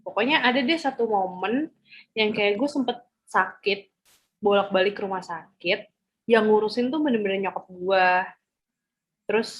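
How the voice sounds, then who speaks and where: A woman's voice: mid-range voice, moderate pace, pauses often. A woman in her twenties, a podcast host, telling stories in slangy casual chat and acting out quotes. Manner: slangy, animated storytelling with acted-out quotes. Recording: dull lo-fi sound.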